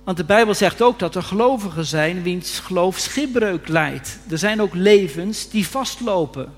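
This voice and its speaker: Delivering a sermon in a reverberant church hall where a faint hum can be heard, a man speaks earnestly and frequently builds to fervent emphasis. His voice is high-pitched, with lively intonation and a measured pace.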